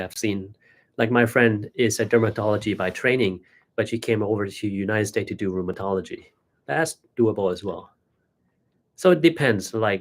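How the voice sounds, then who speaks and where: A man hosting a live question-and-answer chat, explaining things in a relaxed way with everyday examples. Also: fairly low pitch. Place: hospital setting, indoors.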